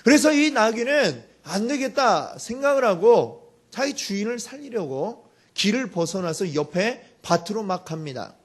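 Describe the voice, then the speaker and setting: Animated high-voiced preacher telling a story. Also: male voice, moderate pace. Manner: animated, dramatic, rhetorical questions to the congregation. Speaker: pastor. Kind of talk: storytelling sermon.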